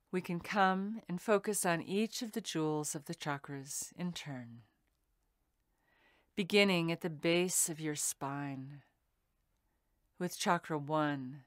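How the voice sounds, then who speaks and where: A woman meditation teacher leading a guided meditation in a soothing, deliberate way with pauses between phrases. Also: on the low side, no room sound, studio quality.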